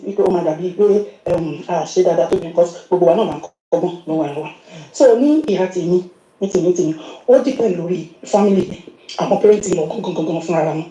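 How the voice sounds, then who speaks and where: Fast, dark-voiced Yoruba woman's voice message. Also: fairly low pitch. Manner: earnest, mixes English into her talk. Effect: recorded voice message played on the show. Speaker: caller sending a voice note. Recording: roomy voice message.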